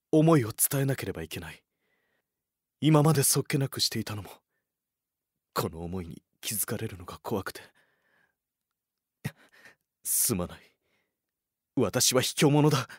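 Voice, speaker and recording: A man playing a reserved, lovelorn gentleman in a romantic anime style, soft, earnest and polite. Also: fairly low pitch, animated, normal speed, pauses often, slightly rough, no room sound, clean studio sound. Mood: tender, regretful. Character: reserved, lovelorn gentleman confessing hidden love.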